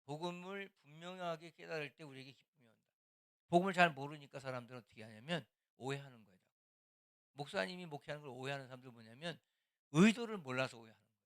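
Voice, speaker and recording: Fast and on the high side, with a slightly bright, clean tone, an older man who pastors a church instructs small-group leaders casually, like a conversation. He sometimes dramatizes scolding remarks as part of his teaching.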